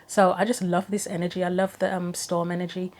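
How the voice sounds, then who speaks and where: A woman talks through a tarot spread for her viewers in a slightly low voice. Her throat is wearing out, so a hoarse edge creeps in. She muses casually and reads guidebook passages aloud. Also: level tone, brisk, darkish tone. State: losing her voice, throat going. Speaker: tarot reader. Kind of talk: solo tarot reading for viewers.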